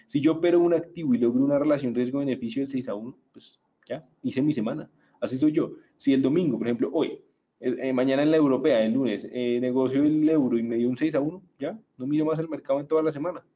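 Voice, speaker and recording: A man's voice: mid-range voice, quick pace, highs cut off. A man presenting a live market analysis webinar, chatty and upbeat, talking straight to his viewers.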